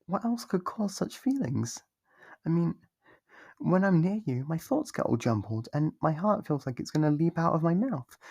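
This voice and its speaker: An actor playing a devoted, nervous, lovestruck cultist in an ASMR audio roleplay, speaking in a soft, breathy voice with earnest, hesitant, theatrical delivery. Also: mid-range voice, no echo, clean studio sound. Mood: flustered, infatuated.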